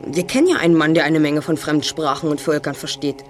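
A man's voice: on the high side, steady tone, brisk, music in the background, close to an everyday voice. A young male actor playing a clever, commanding teenage boy detective in an audio drama, speaking in precise deductions. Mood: keen, deductive. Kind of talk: German audio drama acting.

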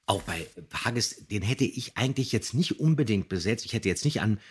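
A man's voice: fairly low pitch, expressive, normal speed, a little hiss or hum. A man co-hosting a podcast, giving detailed, appreciative commentary on radio plays in conversation. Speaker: podcast co-host.

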